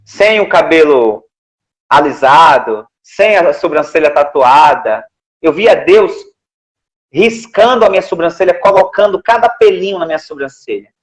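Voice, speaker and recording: A man's voice: on the high side, animated, measured pace, poor audio. A man with a Brazilian accent giving an earnest, emotional religious testimony and repeating his phrases. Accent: Brazilian Portuguese. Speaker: testifying church member.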